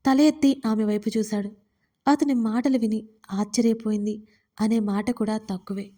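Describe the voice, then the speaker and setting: Woman reading a romance story, higher pitch but mellow, steady even pace. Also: moderate pace. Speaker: audio story narrator. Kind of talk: scripted narration.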